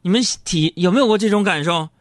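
A man's voice: sits high, quick pace, dry recording, clean studio sound. A man hosting a radio show, telling jokes and teasing his listeners, laughing often. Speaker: radio host. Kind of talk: comedic radio monologue.

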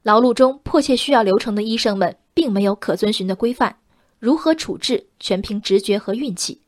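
A woman reading a scripted radio commentary with measured, reflective delivery. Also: fairly high pitch. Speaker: commentary host.

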